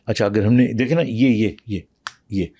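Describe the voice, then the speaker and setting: Man explaining calmly, warm dark voice. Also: lowish voice, slightly rough, dry recording, clean studio sound. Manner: patient, explaining, with fillers and pauses. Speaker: internal medicine doctor, podcast guest. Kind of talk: explanatory interview talk, mixing in English.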